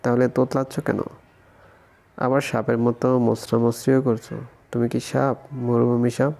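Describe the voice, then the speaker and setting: A man reading the lines of a teasing, arrogant young hero in a romance audio story, slow and flat in a gravelly voice. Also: medium pitch, natural voice.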